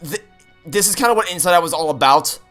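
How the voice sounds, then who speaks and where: A man's voice: fairly high pitch, lively intonation, fast talker, a bit bright, faint music behind. A man giving casual, chatty game commentary in a ranting, exasperated, sweary way. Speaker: gaming streamer playing through a game.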